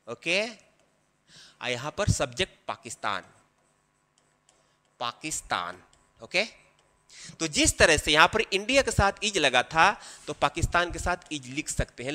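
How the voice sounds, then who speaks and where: Teaching grammar, a man speaks in a bright, high voice whose pitch swings widely. His slow, step-by-step explanations are punctuated by frequent check-ins to make sure students follow, and everything rings with long reverb.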